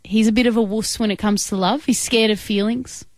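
A woman radio host with a medium-pitched voice banters casually. She sounds teasing and mock-earnest, recorded close in a dry studio. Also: fairly even intonation, fairly quick, no echo.

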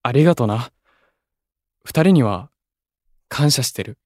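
A reserved young male idol in a Japanese voice drama. He talks in short, blunt, deadpan phrases with a soft heart underneath. The recording is dry and close. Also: mid-range voice, unhurried, no room sound. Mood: shy, grateful. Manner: terse, deadpan, casual rough speech. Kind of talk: Japanese anime-style voice drama acting.

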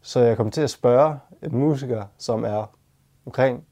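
Young man with a gravelly, quick story. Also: medium pitch, warm tone. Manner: quick, hesitant storytelling with fillers. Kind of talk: casual anecdote.

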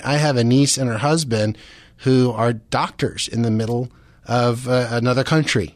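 A man's voice: fairly high pitch, no echo. A man hosting a Christian talk radio show, speaking conversationally in an earnest, encouraging, explanatory way. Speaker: radio host.

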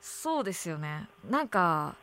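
A woman's voice: on the low side, sing-song, unhurried, fairly bright tone. A woman hosting a radio show and podcast, interviewing a listener casually by phone, speaking politely and chuckling often.

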